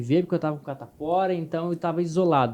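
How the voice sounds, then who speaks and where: The voice has a dark, mellow tone and ordinary pitch variation, delivered at a very fast pace over a quiet background. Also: man. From southern Brazil, Guaíba near Porto Alegre. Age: 20s. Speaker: photographer and filmmaker. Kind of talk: podcast interview.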